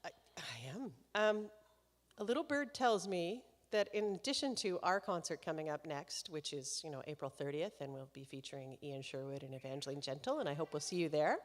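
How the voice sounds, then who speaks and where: A concert series host with a low voice introduces a live show, talking to the crowd in a brisk, expressive, easygoing way. She's chatty and warm-hearted, laughing often between remarks, and her voice carries a long reverb tail from the hall.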